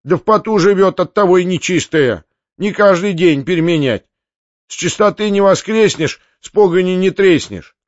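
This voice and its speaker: A man's voice: sits high, moderate pace, no room sound, highs cut off, pitched above the performer's own voice, lightly acted. A man voicing a talkative, folksy male peasant who speaks in proverbs in an audiobook. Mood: complaining. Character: chattering male peasant with wispy beard. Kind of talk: audiobook character reading.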